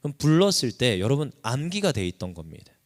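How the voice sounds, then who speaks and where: A man's voice: medium pitch, big pitch swings, fast talker. A man preaching a sermon as pastor, impassioned, his voice climbing sharply whenever he cries out a prayer. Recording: long reverb of a church hall.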